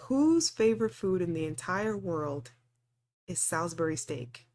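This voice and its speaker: Animated woman streaming a game. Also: on the low side, measured pace. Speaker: streamer playing and reading aloud a visual novel. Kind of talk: let's play reading with casual commentary.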